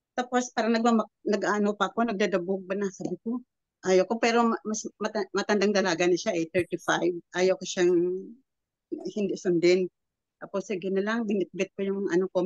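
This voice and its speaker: A woman in her seventies sharing a personal testimony with a prayer group. She tells it in a halting, rambling way and acts out the quoted dialogue. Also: on the high side, dry recording, dull audio. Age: 70s. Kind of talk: personal testimony, casual storytelling.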